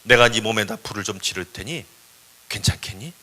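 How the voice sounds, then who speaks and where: A preacher's low, solemn voice of God. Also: male voice, a little fast, sharp tone. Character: God, a calm and commanding fatherly deity.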